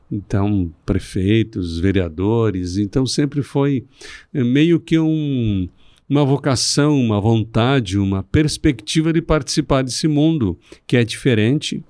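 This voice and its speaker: A middle-aged man from southern Brazil, a city councilman guest on a podcast, speaking in a measured, speechifying way with some restarts. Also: mid-range voice, darkish tone, no echo. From Rio Grande do Sul, Brazil. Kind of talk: podcast interview.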